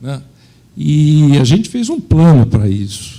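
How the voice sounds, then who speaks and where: This man's voice is fairly high, somewhat breathy and dark, mellow in tone. His pitch swings very widely. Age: 60s. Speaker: company executive. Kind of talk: interview on stage. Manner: halting.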